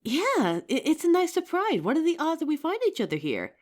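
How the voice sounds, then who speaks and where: A woman playing an injured young survivor of a zombie apocalypse in a roleplay audio drama, with halting, emotive delivery. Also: high voice, big pitch swings, a little mellow. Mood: amazed, relieved.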